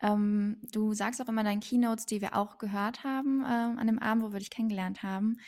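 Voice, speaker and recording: A woman from Germany co-hosting a casual podcast, with a mid-range voice. She talks in a relaxed, friendly way, asking questions full of fillers and loose phrasing. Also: mid-range voice, fast talker. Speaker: podcast co-host. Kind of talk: casual interview chat.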